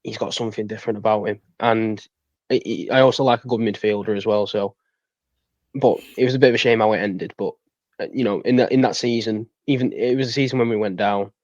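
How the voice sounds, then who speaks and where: A young man speaks in a lowish voice as a podcast guest. The sound is dry and a little dull, and his delivery is casual and conversational. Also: fairly even intonation, brisk, darkish tone, no room sound. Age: 20s. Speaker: fan guest. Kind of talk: casual interview chat.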